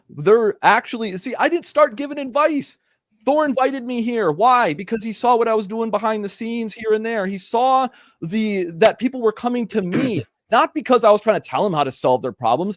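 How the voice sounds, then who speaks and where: A loud man with a high pitch and lively intonation. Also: dry, close sound with no echo. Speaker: men's dating advice commentator. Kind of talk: casual podcast discussion. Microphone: good mic, per listener compliments.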